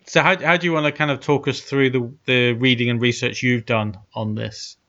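A man's voice: fairly even intonation, normal speed, pushed and bright. Man on a cheap lo-fi mic. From United Kingdom. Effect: cheap plug-in telephone-type microphone, low quality. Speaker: podcast host. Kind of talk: casual podcast chat.

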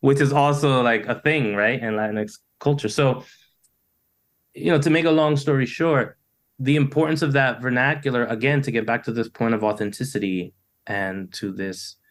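A man's voice: medium pitch, steady tone, normal speed. A middle-aged man, talking in a reflective interview over a video call, with a loose flow full of "you know" and restarts. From United States. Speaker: poet, interview guest.

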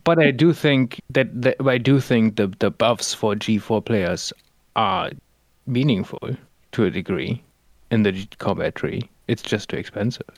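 A man in a casual group discussion who answers in a measured, matter-of-fact way. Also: lowish voice, no room sound. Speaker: panelist.

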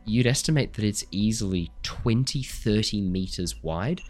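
A man running a tabletop game as dungeon master, slightly hoarse, chatty and apologetic while he sets up the session and reads the recap. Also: lowish voice, animated, moderate pace, a little mellow, faint music behind. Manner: chatty, apologetic, laughing between remarks. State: hoarse after illness.

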